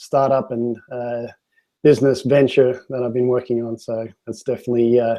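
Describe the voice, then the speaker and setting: A man with an Australian accent speaks in a monotone, flat intonation at a medium pitch and moderate pace. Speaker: tech company CEO. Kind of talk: live webinar conversation.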